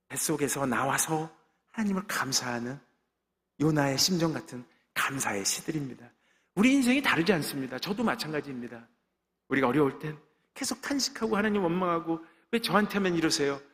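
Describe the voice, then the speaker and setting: High-voiced man preaching in a reverberant church. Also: big pitch swings, a little fast, a bit bright. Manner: emphatic preaching with frequent amens and call-and-response. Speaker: pastor giving testimony. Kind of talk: sermon. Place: church sanctuary. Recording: long reverb of a church sanctuary.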